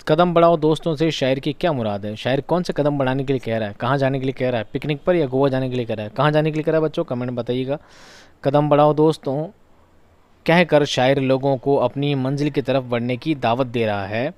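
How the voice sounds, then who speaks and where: A man's voice: medium pitch, fast talker, few pauses, a little mellow, clear, resonant tone, dry recording. A male teacher giving an exam revision lesson, asking questions aloud and repeating each key answer for his students.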